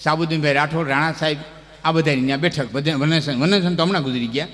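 A man telling folk tales on a live stage, lively and chuckling, chanting verses between the stories. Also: fairly high pitch, fast. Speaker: folk storyteller. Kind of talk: folk storytelling with recited verse. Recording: long hall reverb with music behind.

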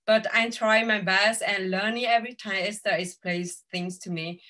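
Bright-voiced, halting young woman. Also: medium pitch, fairly even intonation. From Sweden. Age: young adult. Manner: halting, searching for words. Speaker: seminar speaker. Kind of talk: informal unscripted speech. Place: indoors, on a video call.

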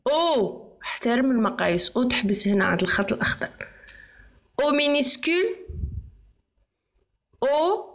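A woman's voice: high voice, big pitch swings, fast, pauses often, fairly bright tone. A woman with an Algerian accent teaching French handwriting, dictating letters and syllables one by one and switching into Algerian Arabic for instructions. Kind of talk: slow, deliberate French handwriting lesson.

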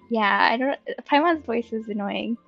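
Young female streamer, husky, gushing casual game commentary, dry slightly dull audio. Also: a little high, unhurried, a bit bright. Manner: giggly, gushing. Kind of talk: casual live gameplay commentary. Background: game music.

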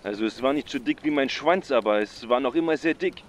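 A man's voice: mid-range voice, brisk, a little hiss or hum, natural voice. An actor playing a clueless male caller reporting a stolen bike, hesitant and full of filler sounds. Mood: rambling.

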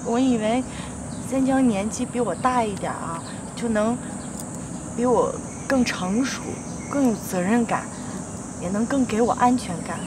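A woman's voice: fairly high pitch, measured pace, noisy background, lightly acted. A woman playing an earnest young lover, outdoors. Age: young adult. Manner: earnest, confiding. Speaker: girlfriend. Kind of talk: TV drama acting.

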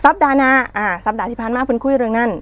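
A woman's voice: fairly high pitch, fairly even intonation, very fast. A woman in her thirties with an Isan accent, anchoring a regional news segment in a chatty, folksy way, recorded in a TV studio on a lapel mic. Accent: Isan (Northeastern Thai). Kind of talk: casual regional news chat.

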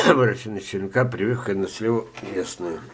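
A man's voice: fairly low pitch, moderate pace, fairly bright tone, slight background noise. An older man, ill and coughing often, reading viewers' letters aloud in a chatty gardening lesson with joking asides. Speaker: gardening teacher. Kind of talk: screen-share talk reading viewer letters.

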